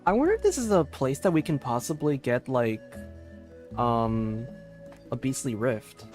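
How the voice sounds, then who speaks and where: A man's voice: mid-range voice, big pitch swings, unhurried, darkish tone. A man streaming a video game, thinking aloud in a casual, puzzled, trailing way. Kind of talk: casual gameplay commentary. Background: game music.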